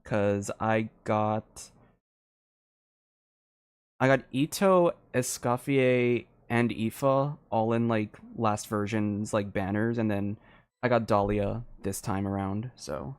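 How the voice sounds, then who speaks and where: A man livestreaming a game, chatting casually in a halting, rambling way into a close microphone. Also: lowish voice, smooth, dry recording.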